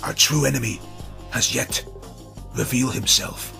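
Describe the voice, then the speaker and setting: Man doing a gravelly, earnest mob henchman. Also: medium pitch, unhurried, pushed and bright, soft background music, full character voice. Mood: alarmed. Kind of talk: comic story character dialogue in broken English.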